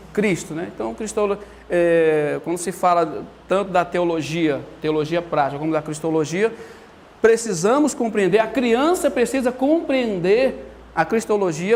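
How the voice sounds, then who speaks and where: A man teaching Bible doctrine in a lively, storytelling way with a Brazilian Portuguese accent, acting out the quotes. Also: high voice. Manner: animated storytelling, acts out quotes. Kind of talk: lively church teaching talk.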